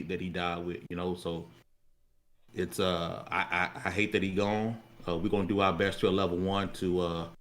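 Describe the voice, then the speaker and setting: A man's voice: low voice, a bit bright. An American man hosting a podcast in casual, unscripted, colloquial talk, often repeating words as he searches for phrasing. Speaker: podcast host.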